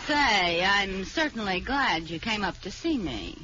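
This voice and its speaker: A woman's voice: mid-range voice, big pitch swings, a little slow, lo-fi sound, voice pushed down. A woman playing a drawling sultry vamp. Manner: drawling, suggestive. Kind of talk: 1940s radio comedy acting. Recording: hissy old radio broadcast.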